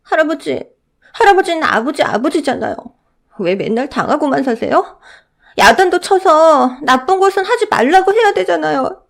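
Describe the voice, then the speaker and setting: A woman voicing a timid young boy who pleads in a high, tearful voice in a Korean audio story. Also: expressive, normal speed, creaky. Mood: pleading.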